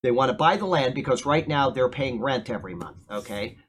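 A man's voice: mid-range voice, lively intonation, a little fast, a bit bright, slight background noise. Chatty pastor in his fifties. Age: 50s. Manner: conversational, keeps asking "okay?". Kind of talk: sermon.

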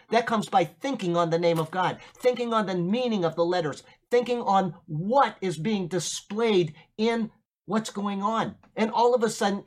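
An older man preaching a sermon in a conversational, rambling way, often checking in with "okay?" and "right?". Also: high voice. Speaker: pastor.

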